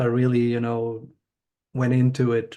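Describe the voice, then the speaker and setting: A man speaks with a dark, mellow tone. His intonation is flat and monotone. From Sweden, Gothenburg. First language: Swedish. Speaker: spiritual teacher, former architect. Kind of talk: interview conversation. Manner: halting, many restarts.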